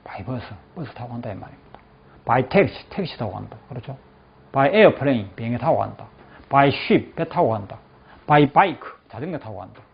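A male English teacher in a classroom, saying phrases slowly and then explaining them, often checking that the class follows. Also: mid-range voice, lively intonation, gravelly, slightly rough. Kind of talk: classroom lecture with repeat-after-me drills. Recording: dull lo-fi classroom recording.

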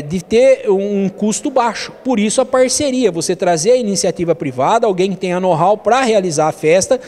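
High-voiced Brazilian man in echoey room. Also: darkish tone. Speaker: mayor being interviewed. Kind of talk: TV interview answers. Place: indoor room. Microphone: handheld interview microphone.

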